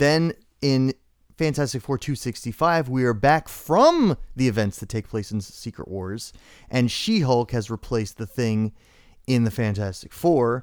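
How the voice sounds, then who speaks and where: The recording is very clean, with a silent background. A man talks at a moderate pace with medium pitch. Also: ordinary pitch variation. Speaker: comic book podcast host. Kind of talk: casual chat.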